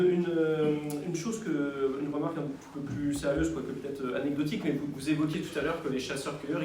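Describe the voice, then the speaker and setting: A man's voice: a little high, darkish tone. A man in the audience asking a question at a conference, hesitant and full of fillers. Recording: very echoey hall, distant mic, faint noise.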